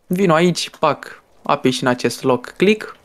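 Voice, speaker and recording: A man, steadily explaining game features and guiding another player. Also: fairly high pitch. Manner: steady instructive, brief laughs. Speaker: game server staff presenting features.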